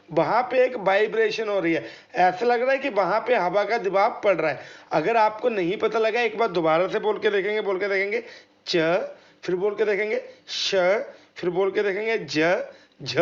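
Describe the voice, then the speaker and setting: A man's voice: sits high, lo-fi sound. A man teaching an exam prep lesson, explaining step by step, asking questions and answering them himself, and sounding out letters for his listeners. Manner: addresses listeners as friends and demonstrates sounds aloud.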